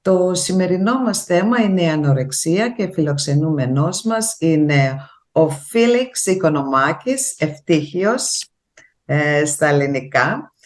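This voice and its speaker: Lively, low-voiced woman TV host. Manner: formal welcome, lively questioning. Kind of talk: TV interview hosting.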